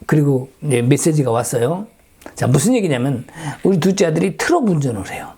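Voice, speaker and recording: A man's voice: on the high side, expressive, fairly quick, warm tone, slightly rough. A middle-aged man, a pastor, preaching a sermon in a conversational way and asking his listeners rhetorical questions. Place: church in the Silicon Valley area.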